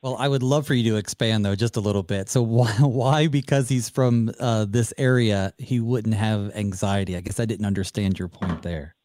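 Male host, mellow tone, dry close sound, measured questions. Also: fairly low pitch, steady tone, no echo. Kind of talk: Bible study discussion.

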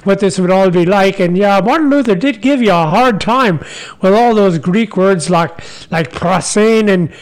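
An actor playing a humble, folksy fisherman apostle in a comic radio sketch, earnest and chatty, halting over his words. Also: high voice, lightly acted, low-quality recording. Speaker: guest character.

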